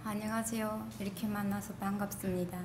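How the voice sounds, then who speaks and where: A woman's voice: mid-range voice, little pitch movement, a little fast. A woman from China with a Korean-Chinese accent, giving a rambling personal testimony to a group. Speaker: seminar participant introducing herself. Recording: faint background room noise.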